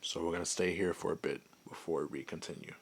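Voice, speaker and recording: A man voicing a friendly, gentle werewolf and former adventurer in an intimate ASMR roleplay, chatting in a hesitant, softly amused way. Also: low-pitched, steady tone, fast talker, husky. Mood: relaxed, friendly.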